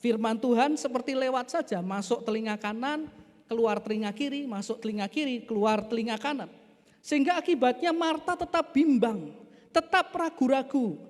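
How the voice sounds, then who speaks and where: A man's voice: very high-pitched, moderate pace. A male pastor preaching a sermon, often addressing the congregation as "brothers and sisters". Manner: addresses the congregation as "saudara", animated storytelling. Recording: echoey church hall.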